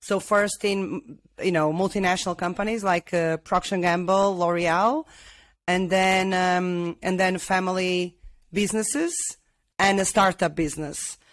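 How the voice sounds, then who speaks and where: A woman's voice: lowish voice, fairly even intonation, measured pace, no room sound. A middle-aged woman from Portugal, a guest talking casually in an interview, often restarting her sentences. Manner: hesitant, many restarts and fillers. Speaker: guest, angel investor.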